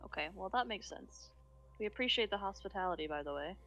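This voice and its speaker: Bright-voiced woman asking pointed questions. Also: medium pitch, expressive, fast talker, dull audio. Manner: probing, coy. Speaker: player. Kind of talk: in-character questioning at a game table.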